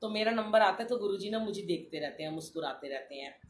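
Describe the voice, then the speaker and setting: An older woman giving an earnest devotional talk, telling a dream story and addressing listeners warmly as a congregation. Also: medium pitch, lively intonation, fast, a little hiss or hum. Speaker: satsang speaker. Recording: roomy live stream with faint ambience.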